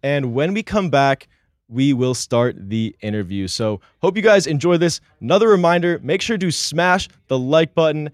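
A man's voice: a little high, lively intonation, normal speed, no room sound. Man, live show host, upbeat, lots of uh fillers, dry close sound. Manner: upbeat, reads chat comments aloud, many "uh" fillers. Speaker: podcast host. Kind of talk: live-streamed interview show.

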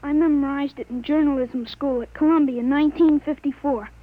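Woman as a high-voiced, precocious young boy. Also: fairly even intonation, a little fast, close to an everyday voice. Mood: calm, certain. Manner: articulate, precise, adult vocabulary. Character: thirteen-year-old boy with a 43-year-old man's mind, precocious, matter-of-fact. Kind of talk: 1950s radio drama acting. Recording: dull, lo-fi old radio broadcast.

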